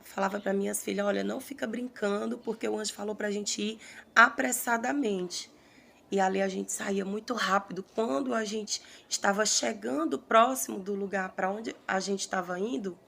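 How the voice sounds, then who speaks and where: Gravelly woman recounting a vision. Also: mid-range voice, fairly bright tone. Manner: earnest, halting, repeats phrases. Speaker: prophetic preacher.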